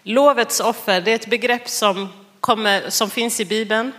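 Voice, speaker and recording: A woman's voice: on the high side, steady tone, fairly bright tone. A woman in her thirties preaching as a guest speaker, telling a funny personal story, laughing often and acting out the dialogue. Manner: chatty, self-mocking, laughs often; acts out quoted dialogue. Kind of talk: sermon with personal anecdote.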